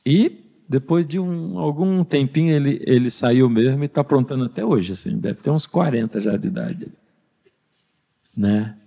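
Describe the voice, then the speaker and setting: A man's voice: mid-range voice, normal speed, creaky, warm tone. A man with a Brazilian Portuguese accent preaching a sermon as pastor, speaking conversationally and quizzing the congregation with rhetorical questions. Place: church service.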